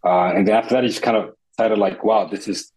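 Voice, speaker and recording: A man's voice: on the low side, steady tone, fast, darkish tone, breathy edge, poor audio. A man from the Dominican Republic, a startup founder telling his story in an interview, earnest and reflective with many restarts.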